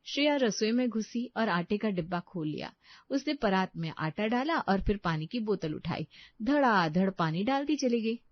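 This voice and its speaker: A woman narrating a cartoon story in a steady storytelling manner. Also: medium pitch, normal speed, dry recording, dull audio.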